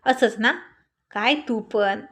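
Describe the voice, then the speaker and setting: A woman's voice: a little high, slow pace, a bit bright. A woman reading the lines of a loyal young male friend who scolds and jokes. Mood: playful. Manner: scolding, playful.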